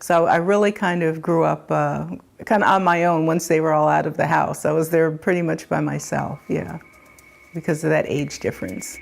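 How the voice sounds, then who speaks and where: A woman talks at a moderate pace with an American accent. Music plays in the background. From US Northeast, Bridgeport, Connecticut. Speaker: interviewee sharing life story. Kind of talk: personal life story testimony.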